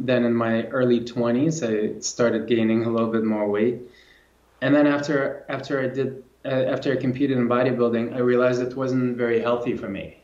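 A man's voice: medium pitch, a little mellow. Brief: reflective man, 40s, video call from a roomy home room, sound a bit dull. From Lithuania. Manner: reflective, many restarts and repeats. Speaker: guest, movement and strength coach. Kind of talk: casual interview talk. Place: home room with plants and guitar, indoors. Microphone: video call, camera at a distance.

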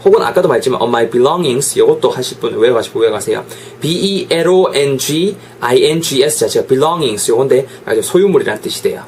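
A man's voice: medium pitch, normal speed, a little hiss or hum. Guy teaching english, bouncy voice going up and down, repeats words over and over. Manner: lively, drills pronunciation with repeated examples. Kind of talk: online English lesson.

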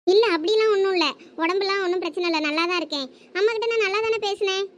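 Woman for a quiet, sad young student, Thoothukudi Tamil, high and subdued. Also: quick pace. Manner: subdued, reassuring.

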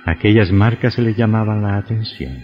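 Deep slow guy narrating spooky radio drama, muffled old radio, music playing. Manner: grave, measured storytelling.

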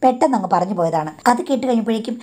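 A woman with a fairly high voice recounts her own family story, confiding and indignant by turns. She speaks directly to a listener she calls madam, in an everyday spoken storytelling style. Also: animated, racing, warm tone. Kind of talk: personal life story narration.

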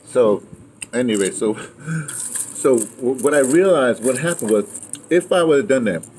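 An older American man reminisces casually in a medium-pitched voice. He rambles and stresses his points like a practised storyteller, outdoors with clear background noise. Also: lively intonation, unhurried, a little mellow. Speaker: interview guest, playwright and audio dramatist. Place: outdoor patio table. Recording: noisy outdoor ambience on open mic.

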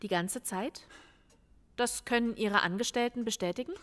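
An actress in a crime radio play as a calm female police lieutenant, questioning in a measured, insistent way. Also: a little high, in a large hall, lightly acted. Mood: probing, insistent. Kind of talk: audio drama dialogue.

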